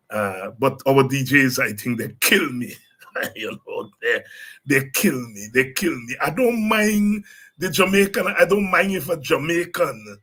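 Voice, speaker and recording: A Guyanese man hosting a political talk show, speaking in a relaxed, animated way with laughing asides and frequent restarts. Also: fairly high pitch. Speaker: host. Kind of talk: casual political commentary.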